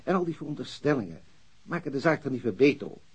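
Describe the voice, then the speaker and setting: Husky, formal police chief, lively intonation. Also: male voice, mid-range voice, fast. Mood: awkwardly critical. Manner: formal, hesitant, patronizing. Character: senior police chief, awkwardly breaking bad news to subordinate. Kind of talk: radio drama acting.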